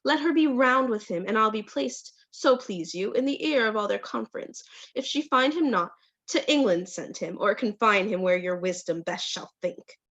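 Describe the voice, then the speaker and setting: A woman's voice: fairly high pitch, lively intonation, moderate pace, a bit bright. A woman playing an officious old male royal counsellor in a dramatic reading of Shakespeare. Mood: officious advising. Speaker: actor. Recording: dull, lo-fi livestream audio.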